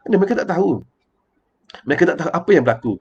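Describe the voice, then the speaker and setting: An older male preacher with a Malaysian Malay accent gives a live-streamed religious talk that rambles, repeats words and turns emotional, and he refers to himself in the third person by his title. His voice is on the high side, expressive, racing, a little mellow and husky with vocal fry, and the sound is lo-fi.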